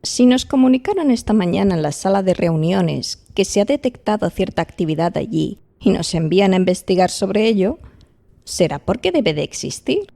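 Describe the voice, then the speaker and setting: A woman's voice: mid-range voice, animated, normal speed, vocal fry, mellow. A woman with a Spain accent playing a studious, confident investigator who explains things articulately in an audio drama. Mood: questioning, assured. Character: studious, serious female investigator, confident and helpful. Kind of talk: Spanish-language audio drama dialogue.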